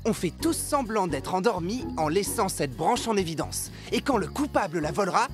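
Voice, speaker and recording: A woman voicing a hapless, chatty young character in a children's cartoon dub, expressive and melodramatic. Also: medium pitch, moderate pace, music in the background, close to an everyday voice. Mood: matter-of-fact.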